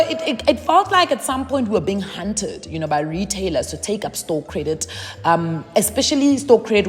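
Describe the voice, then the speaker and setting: Chatty woman, lowish voice. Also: long reverb tail. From South Africa. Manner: chatty, many "um" fillers and repeated words. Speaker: personal finance YouTuber. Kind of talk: casual advice monologue.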